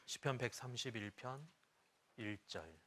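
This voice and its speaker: Man, middle-aged, pastor, sermon, scripture reading, light humorous anecdotes, mid pitch. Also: animated, unhurried, pushed and bright, slight background noise. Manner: reads scripture aloud, then personal anecdotes with humor; sings a hymn line briefly. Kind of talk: sermon to church teachers.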